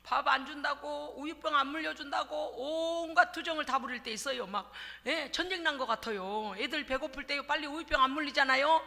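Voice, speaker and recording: A woman's voice: high voice, brisk, hardly any pauses. A woman pastor giving a sermon, telling stories with humor and acting out little scenes. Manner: lively, humorous storytelling with acted-out asides. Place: church sanctuary. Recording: reverberant church hall.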